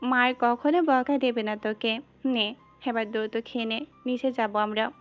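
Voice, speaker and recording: A woman's voice: fairly high pitch, steady tone, moderate pace, highs cut off, faint music behind, close to an everyday voice. A woman playing a tender young mother in an audio story, coaxing and playfully scolding her pet bird. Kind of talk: audio story character acting.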